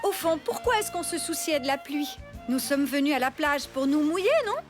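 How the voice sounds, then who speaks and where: A woman voicing a kind, easygoing young mother in a children's cartoon, gentle and expressive. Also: high-pitched, moderate pace. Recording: music behind the voice.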